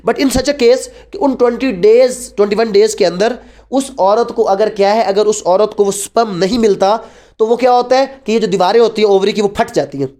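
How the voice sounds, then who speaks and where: A man's voice: high-pitched, brisk, dark tone. A man with a Pakistani accent lecturing as a law teacher, explaining step by step and often answering his own questions. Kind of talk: lecture mixing Urdu and English.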